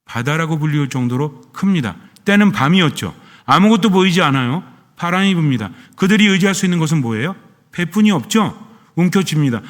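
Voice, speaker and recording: Catholic priest preaching with rhetorical questions. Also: male voice, fairly high pitch, in a large hall. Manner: asks the congregation questions and answers them himself. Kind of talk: sermon.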